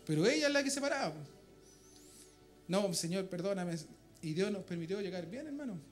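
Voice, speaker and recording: A Chilean man with a high-pitched voice gives a heartfelt church testimony. He speaks fervently and keeps turning to the congregation to address them as brothers. Soft music plays faintly under him. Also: very animated, racing. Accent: Chilean Spanish. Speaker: church member giving testimony. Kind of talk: emotional spoken testimony in church. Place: church meeting room.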